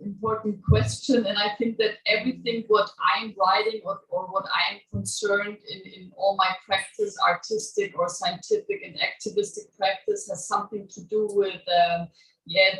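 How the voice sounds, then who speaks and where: A woman's voice: mid-range voice, fairly bright tone. German-accented woman, distant and echoey. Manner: halting, many restarts, laughs as she talks. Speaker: guest writer giving a reading. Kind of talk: informal introduction at a public reading. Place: small venue before a live audience. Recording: echoey room, voice from far off.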